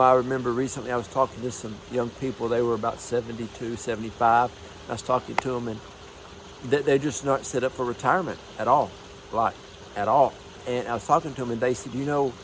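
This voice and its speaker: An energetic man in his forties, a minister talking casually to the camera, emphatic, telling folksy stories. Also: medium pitch, slight background noise, poor audio. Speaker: minister and motivational speaker. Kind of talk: casual motivational talk to camera.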